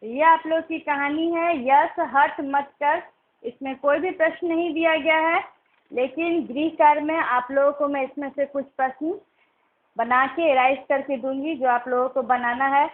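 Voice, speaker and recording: High-voiced patient woman teacher, tinny. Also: steady tone. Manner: slow, patient, sounding out syllables. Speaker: primary school teacher. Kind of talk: recorded online class lesson. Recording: tinny phone-like recording.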